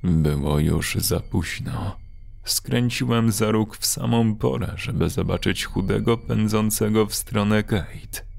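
A man narrating a horror story in a slow, grave, dramatic way. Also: fairly low pitch, vocal fry, darkish tone.

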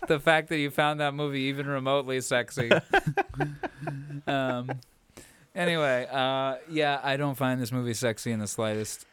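A young man co-hosting a podcast, blunt and joking in casual chat, quick to tease his partner. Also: medium pitch, steady tone, fairly bright tone, a little hiss or hum. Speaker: podcast co-host.

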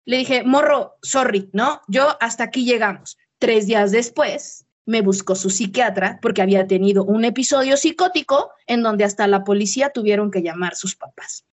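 A woman's voice: fairly high pitch, moderate pace, few pauses. A woman with a Mexican accent hosting a podcast, talking in a slangy, playful way with voiced quotes. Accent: Mexican Spanish. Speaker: podcast host and therapist. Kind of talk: casual podcast chat.

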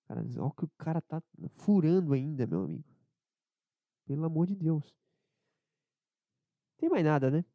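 Hungover Brazilian man rambling, higher-pitched, dry sound. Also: very animated, normal speed, long pauses, warm tone, no room sound. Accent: southern Brazilian. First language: Portuguese. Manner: low-energy, irreverent, swearing. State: hungover, with a cold, dispirited. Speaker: podcast host and amateur comedian. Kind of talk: casual solo podcast rambling, riffing on news.

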